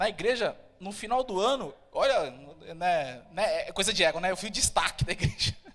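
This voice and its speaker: A man speaks in a high-pitched voice. Music plays in the background. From Brazil, urban periphery. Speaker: pastor. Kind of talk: sermon. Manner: animated; casual, conversational.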